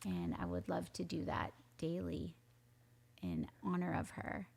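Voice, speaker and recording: A woman's voice: fairly low pitch, very animated, measured pace, creaky, darkish tone, slightly rough. A middle-aged mother, a guest on a faith podcast, speaking in a nurturing, reflective and earnest way. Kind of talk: casual heartfelt chat.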